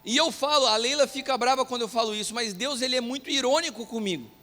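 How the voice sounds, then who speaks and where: A Brazilian pastor preaching a sermon, telling a self-mocking story in an animated way. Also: male voice, very high-pitched, fast talker, faint music behind. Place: church hall. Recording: long reverb of a church hall.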